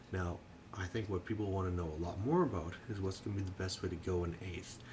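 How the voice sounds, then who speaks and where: Soft-spoken, fairly quick speech against noticeable background noise. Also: man. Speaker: tabletop wargame podcaster. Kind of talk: casual podcast talk about tabletop game tactics.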